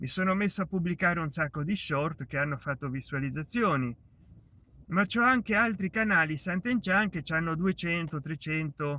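A man's bright, sharp voice at a fairly slow pace, in a dry sound with no echo. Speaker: vlogger. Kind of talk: casual vlog chat. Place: car. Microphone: phone near.

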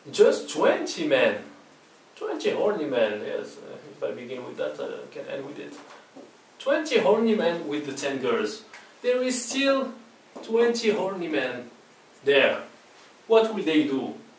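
Very slow speech with long, frequent pauses, big swings in loudness, audible room echo and light background noise. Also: man. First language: not English. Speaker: physiology tutor. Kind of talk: lecture. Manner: informal, explanatory. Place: home room. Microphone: camera far.

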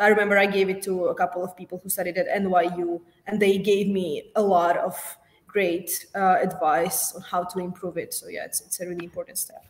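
The woman's loudness swings widely as she speaks at a fairly quick pace. Her pitch sits in the medium range, and room echo is audible. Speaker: university student; guest. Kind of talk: personal testimony presentation. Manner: animated, enthusiastic. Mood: friendly, animated. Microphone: webcam.

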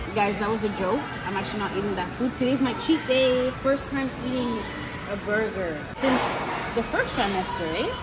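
There's music in the background as a woman speaks at a moderate pace with ordinary pitch variation. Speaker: pregnant vlogger. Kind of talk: casual vlog chat. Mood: playful, laughing. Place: cafe. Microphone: phone near.

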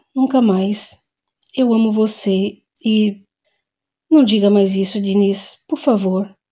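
Speaking very slowly in a Brazilian accent, a woman has a dark, mellow, somewhat breathy tone and fairly even intonation. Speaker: audiobook narrator. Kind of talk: audiobook narration, reading a spiritist novel aloud with dialogue and drama.

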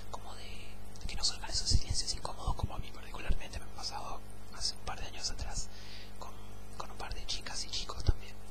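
With music in the background, a man whispers. He is soft-spoken and talks at a fairly quick pace. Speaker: vlogger. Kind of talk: casual vlog chat. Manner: soft whisper close to the mic. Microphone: handheld.

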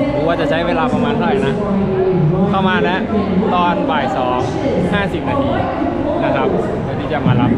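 A man speaks amid loud background noise. Audible room echo surrounds his voice. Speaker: running vlogger. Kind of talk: casual vlog chat. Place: hall.

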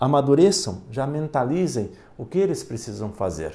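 A man's dark, mellow voice at a fairly slow pace, with very wide pitch swings. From Brazil. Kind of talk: sermon. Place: home room. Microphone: lapel.

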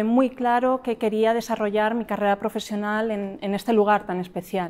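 A woman talks at a moderate pace. Her fairly high voice has a dark, mellow tone. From Spain, Toledo province; Spain. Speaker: art restorer. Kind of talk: testimonial address to camera. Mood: earnest, encouraging. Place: workshop. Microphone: lapel.

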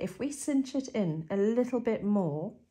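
A woman's voice with very wide pitch swings. It sounds somewhat breathy. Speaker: beading tutor. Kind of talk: craft tutorial narration.

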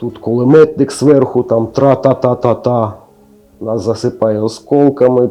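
At a medium pitch, a man talks fairly slowly with fairly even intonation. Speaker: soldier, former TV cameraman. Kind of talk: interview testimony. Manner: halting, with fillers.

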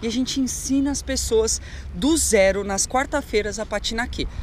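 A man at a moderate pace, dry with no echo, over light background noise. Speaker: roller skating instructor. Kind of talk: casual vlog chat. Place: street. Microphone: phone near.

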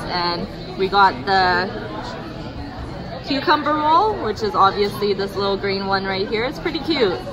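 Speech at a moderate pace plays against crowd noise in the background. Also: woman. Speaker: food vlogger. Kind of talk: casual vlog chat. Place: bar. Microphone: phone near.

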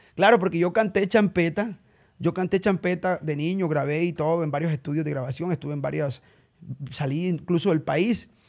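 Over a quiet background, a man with a high pitch speaks at a moderate pace in a Colombian Caribbean accent. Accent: Colombian Caribbean (costeño) Spanish. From Colombia, Barranquilla (Caribbean coast). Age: 30s. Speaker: lawyer and political candidate; podcast guest. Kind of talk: interview. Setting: studio. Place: studio. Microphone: studio mic.

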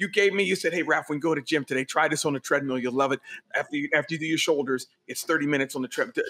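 Here a man talks at a very fast pace. His fairly high voice has a bright, sharp tone and ordinary pitch variation. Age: 50s. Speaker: podcast host. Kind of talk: interview. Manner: halting, repeats words; enthusiastic. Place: home room. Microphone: studio mic.

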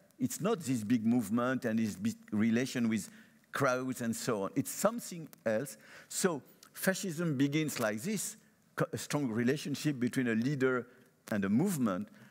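Against a quiet background, a man talks at a moderate pace in a French accent. His pitch is medium for a man, and his intonation is lively. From France. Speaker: academic panelist; panelist. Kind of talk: panel discussion. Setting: stage with audience. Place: stage. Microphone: headset.

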